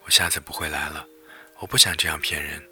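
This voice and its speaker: A man voicing a meek but stubborn young woman in her twenties who speaks hesitantly and turns shrill when pushed. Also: fast, pushed and bright, faint music behind, heavily acted. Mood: bewildered.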